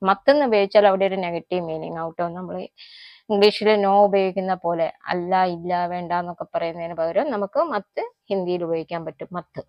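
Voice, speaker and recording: A woman's voice: on the low side, fairly even intonation, no room sound, dull audio. Malayali woman teaching Hindi phrases. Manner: explains phrases slowly and repeats them, sounding out example lines. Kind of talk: casual spoken-language lesson.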